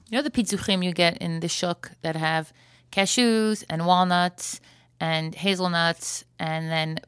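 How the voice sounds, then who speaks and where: A woman's voice: lowish voice, fairly bright tone, clean tone, no echo, studio quality. A woman hosting a solo podcast in a chatty, conversational way, with wry, joking asides. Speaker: podcast host.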